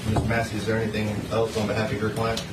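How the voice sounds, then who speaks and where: A man speaking as a judge from the bench, measured and formal, heard in a courtroom recording played in a news report. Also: lowish voice, monotone. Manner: measured, formal, firm admonitions with filler pauses. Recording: roomy, distant courtroom recording with loud background noise.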